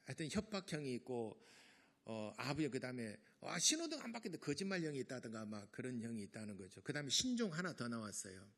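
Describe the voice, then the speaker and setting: A man's voice: mid-range voice, big pitch swings, quick pace, vocal fry, a bit bright. A middle-aged man preaching a sermon as pastor, talking casually to the congregation and acting out the people in his stories. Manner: conversational preaching with acted-out quotes.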